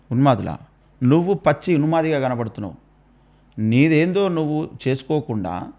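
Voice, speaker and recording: A man speaking with a Telangana Telugu accent, his voice sitting a touch higher than most men's. He rebukes like a preacher, piling up rhetorical questions and repeating his warnings again and again. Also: a little mellow. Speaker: Christian commentator. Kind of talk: preachy rebuttal.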